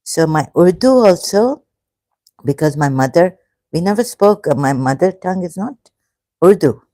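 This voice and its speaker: Raised in Karachi, Pakistan, this online religion commentator rambles through a solo livestream, halting and emotional, with many phrases left unfinished. The voice is mid-range, mellow, and lively in intonation, and the recording has no room sound.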